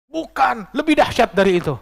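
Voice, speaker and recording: A woman's voice: wildly swooping pitch, very fast. A male preacher voicing a weeping, grieving woman who pleads with a scholar in his sermon story. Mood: pleading. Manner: tearful, high-pitched pleading.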